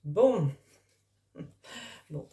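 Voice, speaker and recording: A woman card reader talking casually in an early-morning voice, improvising and thinking aloud in a halting way with trailing pauses. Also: deep voice, expressive, dark tone, dull audio. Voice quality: early-morning voice, which the speaker calls gruff. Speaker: tarot card reader and spiritual coach. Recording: echoey, reverberant room.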